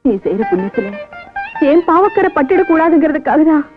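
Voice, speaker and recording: A remorseful elder sister speaks with deep feeling, her high voice rising and falling widely. The sound is thin and tinny, like an old film print, with faint music underneath. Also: very animated, fairly quick. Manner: heartfelt, emotional pleading. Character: older sister figure, remorseful bootlegger woman. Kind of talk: 1990s Tamil film acting.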